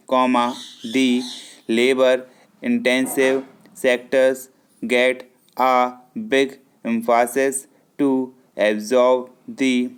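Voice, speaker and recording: A man with an Indian accent reading a shorthand dictation in deliberate short phrases, speaking the punctuation aloud. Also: mid-range voice, smooth. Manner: measured, deliberate, phrase-by-phrase delivery with pauses.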